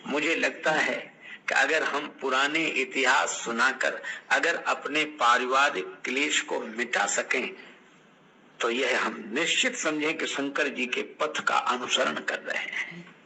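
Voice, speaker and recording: A man's voice: medium pitch, takes it slowly, creaky, pushed and bright, a little hiss or hum, low-quality recording. An older man giving a devotional sermon, telling scripture stories, acting out quoted dialogue and breaking into chanted verse. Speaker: Ram Katha preacher.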